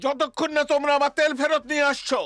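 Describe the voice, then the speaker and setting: A shrill, bossy cartoon army major. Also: male voice, flat delivery, fast talker, fairly bright tone. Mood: scolding. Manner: barking orders, commanding. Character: stern, bossy adult male army major. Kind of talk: cartoon dubbing.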